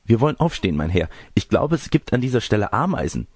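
Ein Mann spricht in einem Märchen ein naives, kokettes junges Bauernmädchen, das höflich und aufgeregt protestiert. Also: male voice, fairly low pitch, sing-song, quick pace, darkish tone, slightly rough, no room sound, pitched above the performer's own voice, heavily acted. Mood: flustered, scolding. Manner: fussy, exclamatory, polite protests. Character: naive, coy, scolding young peasant girl.

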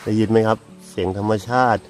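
A man's voice: on the low side, quick pace, soft background music. A man hosting a travel vlog, chatting casually outdoors at a cave entrance and asking a local guide questions. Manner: relaxed, asks the guide questions. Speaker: travel vlogger host. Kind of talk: casual on-site tour chat. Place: outdoors at a cave mouth by a stream.

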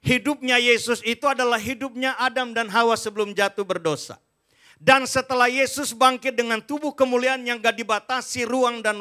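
Man, forties, pastor, very high voice, bright tone, emphatic sermon, handheld mic, church stage. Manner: emphatic preaching, addresses congregation, acts out demonstrations.

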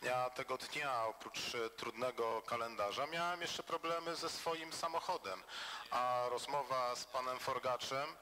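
A man's voice: medium pitch, measured pace, sharp tone, a little hiss or hum. A man testifying before an inquiry committee in a hearing room, speaking formally and defensively, with hesitant fillers and repeated polite forms of address.

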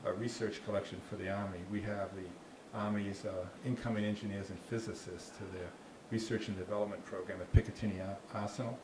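ボストン訛りの年配男性、低めの声で話す. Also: male voice, fairly low pitch, steady tone, fairly quick, few pauses. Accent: Boston. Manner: chatty, restarts often, dry jokes. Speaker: park ranger giving a talk. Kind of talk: informal talk with audience questions. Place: small dark meeting room with slide screen. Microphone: handheld mic. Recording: echoey room with faint noise.

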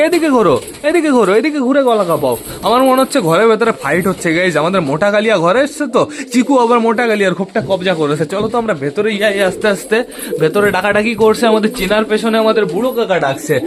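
A man with a high voice runs through his pigeon loft at a quick clip. He chats casually to viewers and calls to his birds by name, coaxing them to move. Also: noisy background. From West Bengal, India. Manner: chatty, talks to birds and viewers. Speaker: pigeon-keeping vlogger. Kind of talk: casual vlog narration.

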